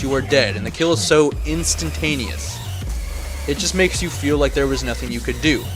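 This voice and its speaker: A man giving casual, sweary gameplay commentary in a blunt, aggrieved ranting manner. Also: fairly high pitch. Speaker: gaming commentator. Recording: voice-over with music behind.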